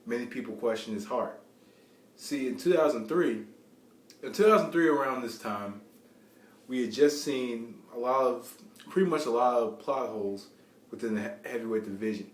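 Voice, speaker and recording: A man giving informal, unscripted boxing commentary in a rambling, halting way, often repeating phrases as he restarts. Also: mid-range voice. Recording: roomy, distant mic, faint background noise.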